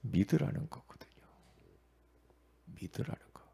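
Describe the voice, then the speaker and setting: Gravelly-voiced male pastor preaching. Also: mid-range voice, lively intonation, a little slow, warm tone, whispered. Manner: questioning the congregation, repetitive emphatic preaching. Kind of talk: early-morning prayer sermon.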